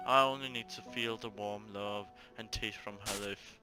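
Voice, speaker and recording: A man's voice: on the low side, steady tone, normal speed, music in the background. A man hosting a gaming video, reading a visual novel aloud with casual commentary, often stumbling and repeating words.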